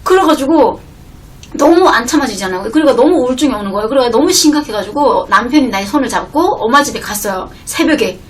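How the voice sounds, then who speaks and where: A woman in her thirties from Korea, pours out a personal story on her home livestream. She talks fast and emotionally in a fairly high voice. The mic sits a bit far off, with a faint rumble underneath. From North Korea. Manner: emotional, animated retelling. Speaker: livestream host.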